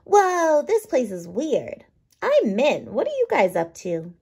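A woman's voice: high voice, wildly swooping pitch, slow pace, warm tone, breathy edge, full character voice. A woman voicing a curious, friendly little female microbe in a children's picture book.

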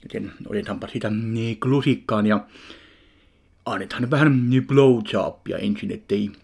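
A man in his thirties reviewing a ready meal in his home kitchen, talking slowly and deadpan between bites into a webcam. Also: fairly low pitch, gravelly, breathy edge. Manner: unhurried, chewing between remarks, deadpan. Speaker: food vlogger. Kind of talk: casual eating review. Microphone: webcam at arm's length.

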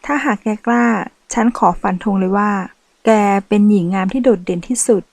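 A woman's voice: mid-range voice, brisk, a little mellow, dry recording, close to an everyday voice. A woman reading a novel aloud, voicing a sassy, boastful transgender woman who manages loans at a bank. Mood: brash. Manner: brash, teasing, boastful.

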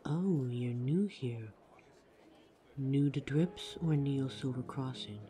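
A man's voice: mid-range voice, slow, natural voice. A man playing a courteous but snide vampire barista in an audio roleplay, polite, dry and teasing. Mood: explaining, polite. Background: music behind the voice.

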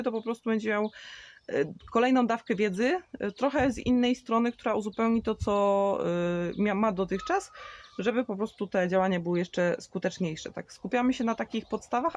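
A woman's voice: mid-range voice, a little mellow. Chatty woman on a live stream. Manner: chatty, explains with cooking comparisons, many fillers. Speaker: marketing trainer for beauty salons. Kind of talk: live stream answering viewer questions. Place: outdoors in a garden.

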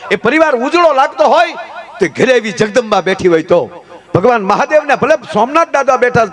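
A man telling folk jokes on stage, acting out characters in changing voices and adding preachy asides. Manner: animated, swings pitch to act out quoted characters. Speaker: folk humorist. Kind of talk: live folk comedy storytelling.

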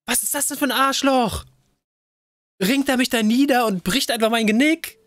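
A young man commentating a game in German, excitable and cooing over little fox cubs, often squealing in alarm. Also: very high voice, moderate pace, no room sound, faint music behind. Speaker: let's play gamer.

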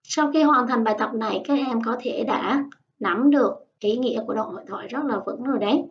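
A woman teaching English in an online lesson, patiently explaining and modelling phrases slowly. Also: on the high side. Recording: dull, slightly distant lo-fi sound.

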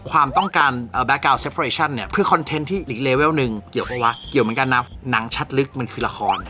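A young man chatting casually and excitedly as he reviews a camera lens, swearing now and then. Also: mid-range voice, quick pace. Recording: music bed under the voice.

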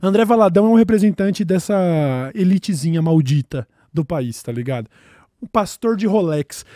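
Sarcastic slangy Brazilian man, high voice. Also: lively intonation, moderate pace, mellow, no room sound, studio quality. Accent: Brazilian Portuguese. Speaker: podcast host. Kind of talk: casual comedic commentary.

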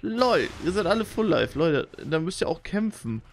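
An excitable young man giving running commentary on a game he is playing, speaking straight to his viewers. His voice sits slightly high and swings widely, shooting up into squeals at the big moments. A faint hiss sits under the recording. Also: normal speed. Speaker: let's play gamer. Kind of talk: live gameplay commentary.

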